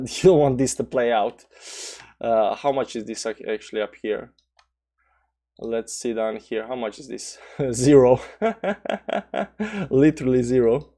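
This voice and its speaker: A man with a mellow, mid-range voice and a Balkan accent streams crypto charts live. His casual commentary rambles, with many fillers and restarts, as he reads the chat out loud and replies.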